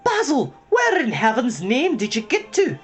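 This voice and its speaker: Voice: sits high, huge pitch swings, moderate pace, a little hiss or hum, voice pushed up. A storybook narrator voicing a brave, hot-tempered, sarcastic young male mouse hero. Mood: exasperated.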